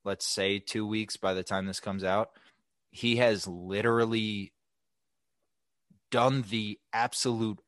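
A young man co-hosting a podcast, chatting casually in a blunt, profane, animated way. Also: lowish voice, slow pace, pauses often, no echo, clean studio sound. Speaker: podcast co-host.

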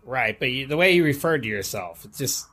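A man's voice: medium pitch, lively intonation, a little fast, pushed and bright. A man playing a tabletop game in character, asking probing, suspicious questions. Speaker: player.

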